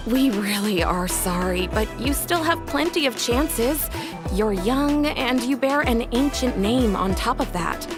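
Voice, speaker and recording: An actress playing a veteran tribal warrior woman in a video game, frank and gently apologetic. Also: fairly high pitch, lively intonation, a little slow. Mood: regretful, firm. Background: game music.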